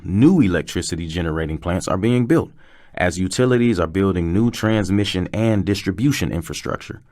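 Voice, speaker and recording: A man plays a car service technician with a deep voice and a very dry sound. He is knowledgeable and patient, explaining things conversationally in a scripted promotional dialogue. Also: dry recording, close to an everyday voice.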